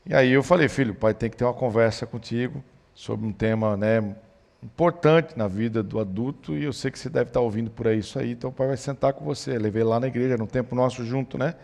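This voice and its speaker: A man's voice: medium pitch, fast, creaky. A man, a pastor telling a family story in a church talk on parenting. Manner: storytelling, animated when quoting his son.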